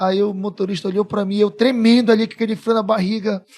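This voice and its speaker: A man speaks at a fairly quick pace. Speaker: entrepreneur. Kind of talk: storytelling interview.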